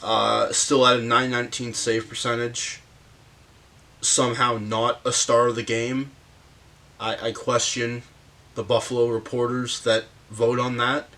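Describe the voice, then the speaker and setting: A man with a sick, hoarse voice hosting a casual hockey game breakdown, halting with frequent fillers and pauses. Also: medium pitch, little pitch movement, bright, forceful tone. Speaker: hockey commentary host. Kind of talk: casual sports breakdown monologue.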